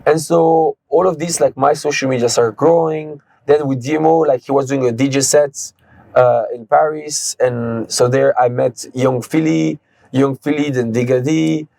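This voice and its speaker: A young man from Switzerland talks as an interview guest, racing through his stories with lots of slang. His voice sits at a middle pitch. The sound is close and dry. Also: creaky, dry recording. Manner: fast, animated storyteller, slangy ("bro"). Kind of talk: casual interview storytelling.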